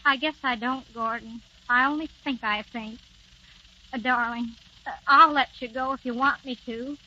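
An actress playing a scatterbrained, well-meaning young wife who chatters to please, in 1930s radio drama style on an old radio broadcast. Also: female voice, on the high side, steady tone, normal speed, pushed and bright, lo-fi sound. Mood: contrite.

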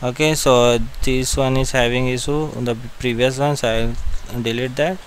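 A man with an Indian accent narrating a step-by-step software tutorial in short, repeated directions. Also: medium pitch, fairly even intonation, measured pace, slight background noise, rough recording.

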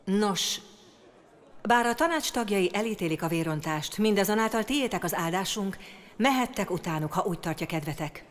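An actress playing a stern, dignified tribal council speaker in an audio drama, formal and commanding. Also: female voice, medium pitch, expressive, close to an everyday voice. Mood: measured.

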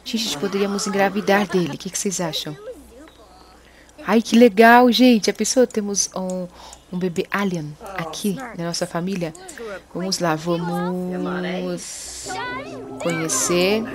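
A woman hosting a gaming video, chatty and excitable as she exclaims to her viewers. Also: on the low side, measured pace, a crowd in the background. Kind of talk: casual let's-play commentary.

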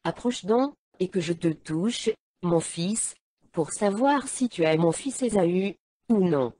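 A woman reading the lines of an elderly blind patriarch in a solemn, measured way. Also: lowish voice, lively intonation, dark tone, breathy edge, dry recording, heavily acted. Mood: grave.

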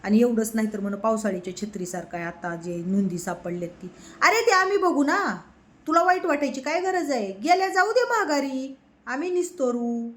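A woman's voice: high voice, lively intonation, fairly quick. A woman delivering a heated, mocking political rant, scolding her target. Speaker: political commentator.

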